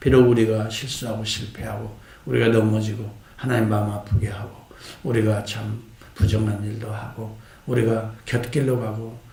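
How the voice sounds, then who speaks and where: A man talks at a moderate pace in a fairly low, monotone voice with flat intonation. His loudness swings widely, and room echo is audible. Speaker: pastor. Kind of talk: sermon.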